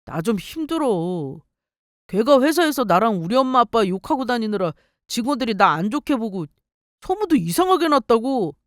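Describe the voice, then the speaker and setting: A woman's voice: a little high, big pitch swings, normal speed, no room sound, studio quality. A woman voicing a clingy, self-pitying ex-husband in a dramatized story reading, pleading and whining. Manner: whiny, pleading.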